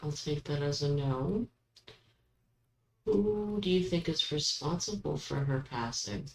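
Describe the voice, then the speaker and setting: A woman hosting a paranormal session, asking questions aloud and commenting casually, with halting pauses between them. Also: deep voice, creaky. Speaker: host of a spirit box session. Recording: roomy echo, background noise.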